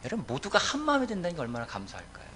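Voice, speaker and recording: Male pastor, Sunday sermon in a church; tense, bright tone, a little high, swings from loud appeals to hushed earnest lines. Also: huge pitch swings, very fast, a little hiss or hum. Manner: emphatic, rising to loud exhortations then dropping low. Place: church sanctuary.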